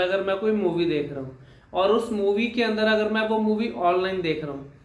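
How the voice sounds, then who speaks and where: Young male speech coach, high-pitched, explains step by step with repeated phrases; echoey room. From Haryana, India. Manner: mixes English terms into Hindi, repeats phrases for emphasis. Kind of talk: explanatory lesson talk.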